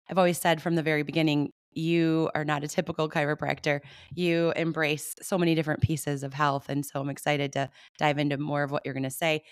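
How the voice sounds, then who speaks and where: A woman hosting a podcast in casual chat, her voice slightly raspy from a cold, upbeat and rambling. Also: sits low, no echo, studio quality. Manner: chatty, upbeat, rambling with restarts. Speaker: podcast host.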